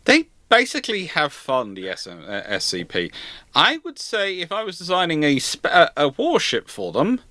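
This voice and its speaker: A man's voice: fairly high pitch, wildly swooping pitch, normal speed, bright, forceful tone, no room sound. A man hosting a casual panel discussion, moving through questions and weighing in himself. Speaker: host reading viewer questions on a naval history panel.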